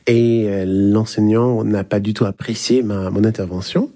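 A man's voice: on the low side, steady tone, measured pace, dark tone. A man from the English-speaking Caribbean, a university lecturer, telling a story in hesitant French with many fillers. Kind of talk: recorded interview testimony.

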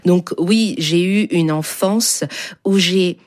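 A woman giving an interview, speaking thoughtfully with frequent pauses and hesitations. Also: fairly low pitch. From Germany. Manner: slow, thoughtful, pausing with hesitations. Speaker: interview guest. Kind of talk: radio interview answers.

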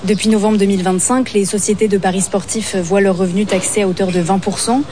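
A woman correspondent asking interview questions in a clear, measured way. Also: medium pitch, little pitch movement, warm tone.

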